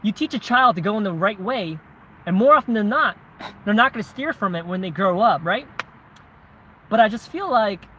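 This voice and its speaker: A man's voice: high-pitched, sharp tone, a little hiss or hum, rough recording. A man with a Southern accent, a vlogger answering viewer questions in a casual, conversational way, often tagging his points with "right?" and "man.". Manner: conversational, frequent tag questions and "man", "bro". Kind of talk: casual chat.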